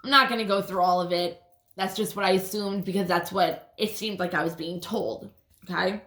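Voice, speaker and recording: A woman's voice: mid-range voice, fairly even intonation, normal speed, a bit bright. A woman with a lisp telling a rambling personal story in a casual, swear-filled way, often restarting her sentences. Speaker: vlogger. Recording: roomy echo.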